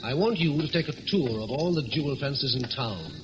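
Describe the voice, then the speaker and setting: An actor playing a shrewd, composed gentleman jewel thief in an old-time radio thriller, with a brisk, assured, explanatory manner. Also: mid-range voice, lively intonation, close to an everyday voice. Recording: muffled old radio recording, faint noise.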